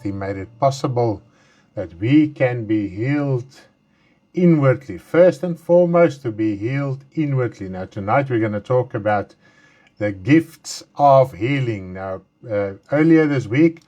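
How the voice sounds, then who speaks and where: A man's voice: mid-range voice, expressive, warm tone, faint music behind. Man teaching Bible study. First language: Afrikaans. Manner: earnest, halting, with frequent fillers and restarts. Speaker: pastor leading Bible study.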